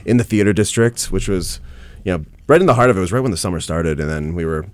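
A man with a deep baritone talks about his music in an easygoing, relaxed way, laughing now and then. His voice sits very low and is recorded dry and close on a studio microphone. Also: quick pace, no echo. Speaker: musician guest. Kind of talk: casual radio chat.

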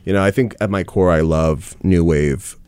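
A man with a deep baritone talks about his music in an easygoing, relaxed way, laughing now and then. His voice sits very low and is recorded dry and close on a studio microphone. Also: moderate pace, smooth, no room sound. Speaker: musician guest. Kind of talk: casual radio chat.

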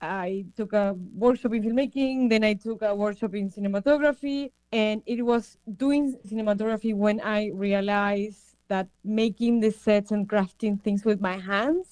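A woman's voice: medium pitch, fairly even intonation, normal speed, hardly any pauses, a little mellow, no room sound. A woman in her thirties from Argentina, a production designer answering interview questions in a reflective way with many fillers and restarts.

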